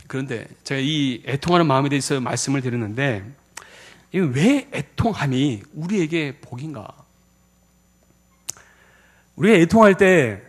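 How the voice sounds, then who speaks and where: A man's voice: on the high side, slightly rough. A male pastor preaching a sermon in a church, asking the congregation questions. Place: church sanctuary.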